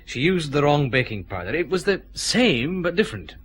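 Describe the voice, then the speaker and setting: An actor playing a shrewd, plain-spoken detective chief inspector in a radio drama. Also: male voice, a little high, big pitch swings, normal speed, a bit bright, husky, heavily acted. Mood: explaining. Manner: plain-spoken, respectful to superiors.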